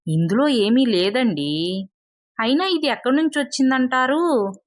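A woman voicing a hardworking, gentle young farm wife in a told folk tale, polite and eager. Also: high voice, lively intonation, unhurried, voice pushed up.

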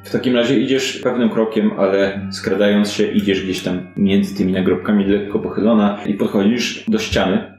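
As game master of a fantasy detective tabletop game, a man improvises descriptive narration, hedging as he goes. His voice is low-ish and darkish, with a roomy echo and faint background music.

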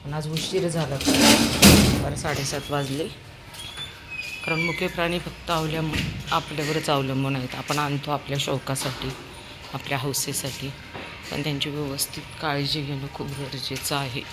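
A woman's voice: deep voice, flat delivery, moderate pace, very noisy. A woman filming her dog on a phone outdoors, chatting and coaxing it and the children around her. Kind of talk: casual vlog chat.

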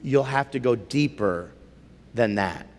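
A man voicing a deep, hushed, wise lion. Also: lively intonation. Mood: gentle, solemn. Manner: slow, low, hushed delivery. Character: wise, gentle, powerful male lion. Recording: long hall reverb.

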